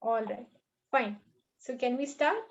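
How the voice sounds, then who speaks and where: A native Marathi speaker with an Indian English accent conducts a job interview over video call, firm and coaching, lecturing and checking in repeatedly. Her voice is fairly high-pitched, animated and a little slow, and the audio has its highs cut off.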